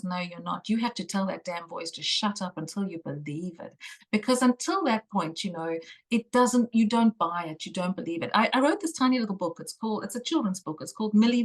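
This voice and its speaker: A middle-aged woman from South Africa, a tarot reader speaking as a guest on a video call interview, earnest and emphatic with the odd mild swear word. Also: mid-range voice. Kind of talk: conversational interview.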